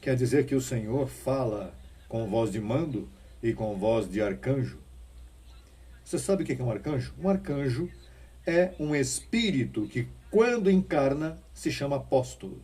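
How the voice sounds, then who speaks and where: A man's voice: medium pitch, animated, normal speed, dark tone, breathy edge, recorded from a distance. A man preaching a sermon with emphatic rising bursts and rhetorical questions to his congregation.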